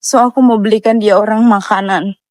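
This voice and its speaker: Strolling around a crowded outdoor amusement area and a shop close by, this Indonesian vlogger talks informally to her audience. She has a mid-range, fairly even voice with a darkish tone, speaks fairly quickly, and there's no room sound.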